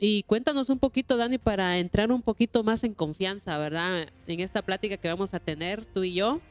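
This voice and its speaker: Faint music plays behind a woman hosting a Christian testimony programme. She speaks in a mid-range voice at a fairly quick pace. Her manner is courteous, devout and repetitive, in the warm style of a religious interview.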